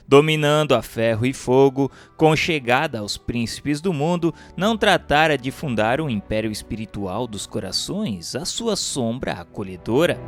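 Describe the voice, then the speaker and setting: A man with a Brazilian accent reading a scripted narration in a solemn, formal, declamatory way. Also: medium pitch. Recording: music bed under the voice. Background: instrumental music.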